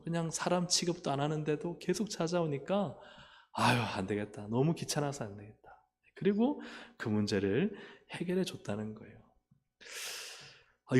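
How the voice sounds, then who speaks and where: A man pastor preaching a lively sermon, calling for amens and asking the congregation questions. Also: a little high. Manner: acts out quoted voices and asks the listeners questions. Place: church sanctuary. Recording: long church hall reverb.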